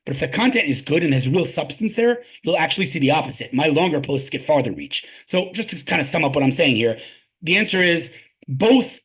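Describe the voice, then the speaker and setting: On an interview podcast, a tech advisor speaks as the guest in an emphatic, conversational manner, often repeating words as each sentence gets going. His voice is on the high side and fairly bright, with a breathy edge.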